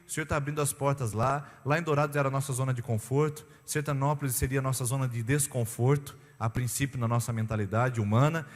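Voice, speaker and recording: A man preaching a Sunday sermon as pastor, animated and acting out little voices of the people he describes. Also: medium pitch, fast talker, hardly any pauses, big-room sound. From Brazil. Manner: animated, acts out voices of beachgoers. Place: church.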